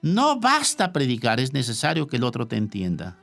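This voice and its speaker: A male preacher delivering a sermon with emphatic, expressive phrasing. His pitch sits mid-range but swings widely. Soft instrumental music plays behind him. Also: normal speed, vocal fry.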